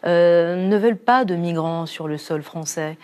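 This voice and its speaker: A woman news anchor with a lowish voice, interviewing a studio guest on an evening news bulletin. She asks her questions in a measured, professional way, pausing now and then. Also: darkish tone. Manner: measured, poses questions with some hesitation. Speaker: TV news presenter.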